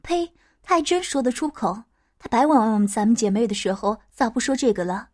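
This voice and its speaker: A woman's voice: on the high side, animated, a little fast, a little mellow. A woman voicing a brash middle-aged woman who talks bluntly and coarsely, as she reads an audio story. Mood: indignant. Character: brash middle-aged woman, foul-mouthed big sister.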